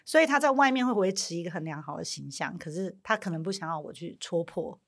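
A woman's voice: on the low side, lively intonation, fast. A woman hosting a podcast, asking questions, teasing her guest and laughing. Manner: asks questions, teases, laughs. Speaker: podcast host, doctor. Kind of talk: casual interview chat.

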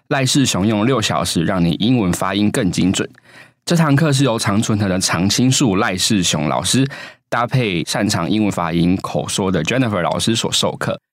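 A man reading a scripted course promotion in a smooth, persuasive manner. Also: fairly low pitch, no room sound, studio quality. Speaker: ad announcer.

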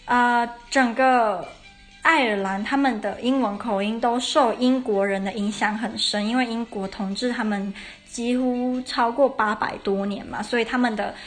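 A woman's voice: fairly high pitch, steady tone, normal speed. A young woman hosts a casual podcast lesson. She explains things step by step and often corrects herself mid-sentence. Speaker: podcast host. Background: faint traditional Irish music.

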